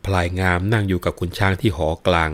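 Low-voiced man telling a folk tale. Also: fast. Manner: lively spoken narration with dramatic emphasis; breaks into chanted verse recitation. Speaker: storyteller. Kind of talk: retelling a classic folk tale.

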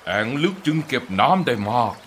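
A man acts out a storybook giant, full of himself and quick to scorn. His pitch rides up and down in big, showy swings. He is gullible, self-satisfied and hungry. A faint noise and ambience sit behind him. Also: very animated, fairly bright tone. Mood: smug. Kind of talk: children's storybook character acting.

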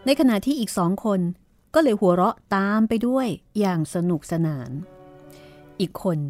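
A woman narrating a ghost story in a calm, measured storytelling manner. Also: mid-range voice, faint music behind.

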